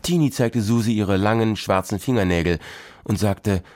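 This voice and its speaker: A man narrating a children's radio play, reading in a lively, expressive way at a close mic. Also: on the low side, normal speed, dry recording.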